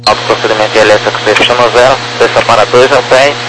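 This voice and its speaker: Brazilian male controller, fast procedural delivery, medium pitch, through a noisy aviation radio link. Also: fairly even intonation. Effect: aviation radio transmission. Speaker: air traffic controller.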